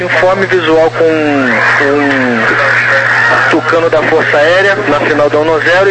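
A man talking over a two-way radio as an air traffic controller, his voice sitting a little high. He reads out instructions in clipped, formal radio phraseology at a measured pace. Loud static hiss runs under every word. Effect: heard over a two-way radio. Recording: noisy radio transmission.

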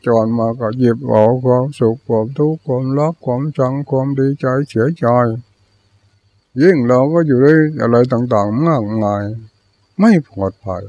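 A man's voice: medium pitch, normal speed, warm tone, lo-fi sound. An older man, a Buddhist monk, giving a Dharma talk with plain storytelling and repeated teaching phrases.

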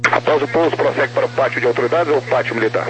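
A man with a Brazilian accent working as an airport tower controller, giving brisk procedural instructions over a two-way radio like CB. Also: mid-range voice, a bit bright, faint music behind, low-quality recording. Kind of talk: rapid radio phraseology. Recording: radio transmission with faint hum.

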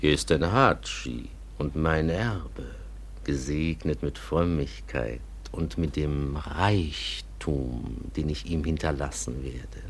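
A man's voice: very deep voice, a little hiss or hum, heavily acted. A man playing a dignified, devout, wealthy older Arab merchant in a radio drama, speaking ceremoniously and persuasively. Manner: ceremonious, measured, flowery formal speech. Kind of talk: literary radio drama acting.

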